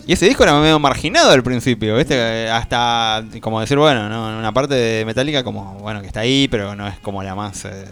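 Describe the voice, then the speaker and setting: A man's voice: mid-range voice, brisk, few pauses, fairly bright tone. A man in his forties with an Argentine accent, chatting casually on a radio show in a rambling way, full of fillers and restarts. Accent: Argentine Spanish. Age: 40s. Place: radio studio. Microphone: studio microphone.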